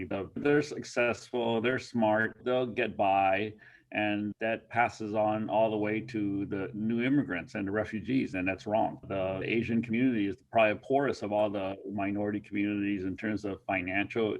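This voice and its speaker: A man speaking as a panel guest, blunt and forceful, slowing down to stress his points. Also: on the low side. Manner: blunt, forceful, slows for emphasis. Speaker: panel guest, community advocate. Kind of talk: panel discussion. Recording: dull lo-fi sound.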